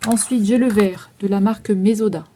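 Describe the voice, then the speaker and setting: A woman in her thirties runs through her makeup for sale in a casual, chatty way. Her voice is mellow and soft-edged, stopping on fillers between prices and item numbers. Faint clicks and a slight hiss sit behind her. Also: mid-range voice, steady tone, moderate pace. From France. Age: 30s. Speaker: vlogger selling makeup. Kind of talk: casual sales walkthrough.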